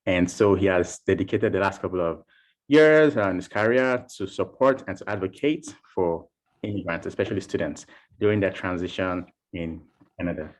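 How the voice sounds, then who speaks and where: A man hosting an interview, enthusiastic and halting, often restarting his sentences. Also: deep voice, lively intonation. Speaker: interview host. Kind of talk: podcast interview.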